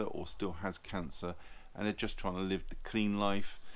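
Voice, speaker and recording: A man with an ordinary speaking voice talks at a moderate pace, his fairly low pitch carried in a fairly even intonation. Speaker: film reviewer. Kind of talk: review commentary. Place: home room. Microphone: phone near.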